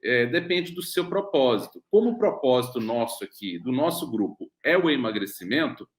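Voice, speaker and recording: A man's voice: medium pitch, expressive, moderate pace, echoey room. A man with a Brazilian Portuguese accent, a doctor giving a mentoring lecture, explaining patiently and often checking in with "né?" and rhetorical questions. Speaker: doctor leading a weight-loss mentoring program.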